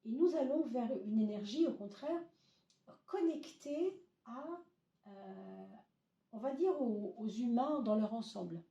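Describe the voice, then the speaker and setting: A hoarse woman giving a casual tarot reading to her viewers, hesitant with many fillers and gently reassuring. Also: on the high side, expressive, a little slow, far from the mic, lo-fi sound. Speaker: tarot reader. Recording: roomy echo, voice off-mic.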